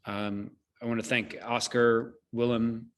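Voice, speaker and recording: A man with a mid-pitched voice hosts an online event. He gives closing remarks in a measured, solemn way, building phrases through deliberate repetition. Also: level tone. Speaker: host, theater company director. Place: indoors, online video call.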